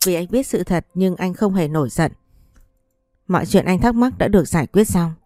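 Woman narrating a story, low and mellow. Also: animated, moderate pace, no echo. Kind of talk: first-person audiobook narration.

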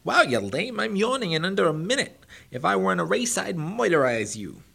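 A man voicing a boastful, fast male hare who mocks his neighbor. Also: high-pitched, big pitch swings, vocal fry, fairly bright tone, husky, pitched above the performer's own voice, full character voice. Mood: mocking. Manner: mocking, brash.

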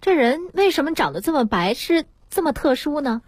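A woman's voice: sits high, big pitch swings, fairly quick, a little mellow, no echo. A woman radio host prompting her guest with curious questions. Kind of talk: interjecting questions in a radio talk.

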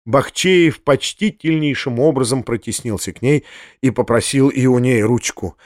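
A man narrating a classic novel as an audiobook, in an expressive, measured reading. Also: medium pitch, no room sound, clean studio sound.

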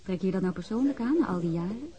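A woman's voice: medium pitch, expressive, fast talker, dark tone, lightly acted. An actress playing a friendly, frank policewoman in a Dutch radio drama, informal and teasing.

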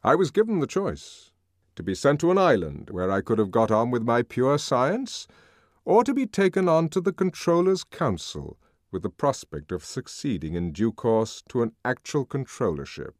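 A man voicing a powerful older controller who lectures in a measured, sardonic way. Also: medium pitch, very animated, no echo, clean studio sound, voice pushed up, lightly acted.

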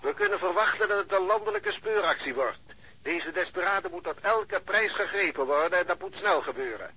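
A man playing a pompous, impatient police chief in a radio drama, formal and officious, with a raspy voice over a telephone. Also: high voice, very animated, brisk, pushed and bright, no echo, heavily acted. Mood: officious, commanding. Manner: self-important, formal, officious. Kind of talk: Dutch radio drama acting. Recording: muffled band-limited phone line.

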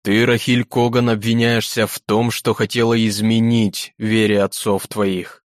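A man's voice: lowish voice, flat delivery, measured pace, no room sound, studio quality, close to an everyday voice. A man voicing a stern, solemn old male tribunal chairman who thunders at the accused in a storybook reading.

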